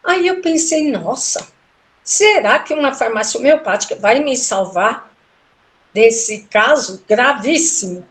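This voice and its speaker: A middle-aged woman with a fairly high voice tells a personal story in relaxed conversation. She retells it with feeling and slips into the voices of the people she quotes. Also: measured pace. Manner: emotional, animated retelling with quoted dialogue. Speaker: guest telling a personal story. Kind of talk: casual storytelling interview.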